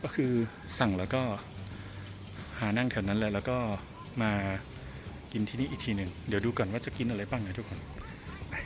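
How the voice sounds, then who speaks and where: A man's voice: fairly low pitch, normal speed, long pauses, music in the background. Chatty man vlogging on foot. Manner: chatty, exclaiming, talks to viewers as everyone. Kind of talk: casual walking vlog. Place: outdoors on a street and in a garden cafe.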